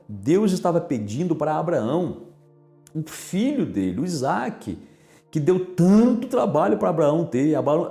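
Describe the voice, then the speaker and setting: A man preaching a sermon as a pastor, speaking straight to his listeners and asking them questions. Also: a little high. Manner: asks listeners direct questions. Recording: echoey room with soft music. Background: soft music.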